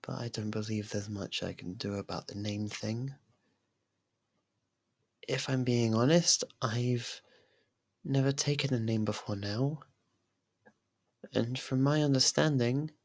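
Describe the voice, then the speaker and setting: A performer voicing a possessive, lovestruck young faerie royal in an intimate ASMR roleplay, soft and halting, tender and clingy. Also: mid-range voice, creaky.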